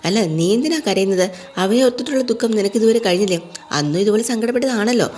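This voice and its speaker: A woman's voice: on the high side, expressive, fast, darkish tone, pitched above the performer's own voice, lightly acted. A woman reading as a gloating young husband. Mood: needling. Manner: boastful, mocking.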